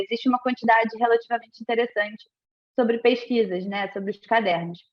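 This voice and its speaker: Her pitch is fairly high and varies in an ordinary way. The woman keeps a moderate speed. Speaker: historian and researcher. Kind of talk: lecture. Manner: hesitant, many fillers.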